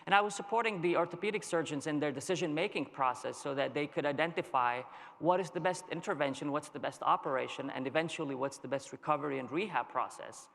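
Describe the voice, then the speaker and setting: A man from Lebanon giving a conference keynote, telling a story in a measured way with dramatic pauses. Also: a little high, gravelly, fairly bright tone. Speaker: keynote speaker. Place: large conference hall. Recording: long reverb of a large hall.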